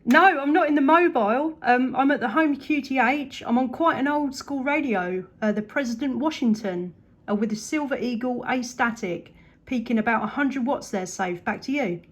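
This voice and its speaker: Woman, high pitch, upbeat casual radio chat, signal reports, home station. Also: normal speed. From United Kingdom. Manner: upbeat, chatty, appreciative.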